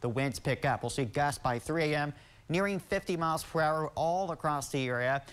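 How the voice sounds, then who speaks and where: The speaker is a man talking at a moderate pace. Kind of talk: weather forecast presentation. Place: studio. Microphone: lapel.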